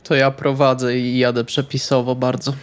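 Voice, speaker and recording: A man's voice: mid-range voice, completely flat delivery, normal speed. A man playing a tabletop role-playing game, casually speaking in character and describing his actions. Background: music.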